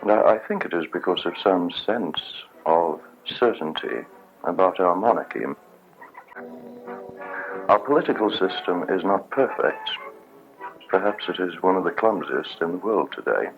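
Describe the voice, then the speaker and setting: Tinny, low-pitched reflective Englishman. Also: lively intonation, a little slow, soft background music. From England. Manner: hesitant, thoughtful, formally worded. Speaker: interviewed family member. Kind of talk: reflective interview remarks. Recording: tinny, band-limited 1970s film soundtrack.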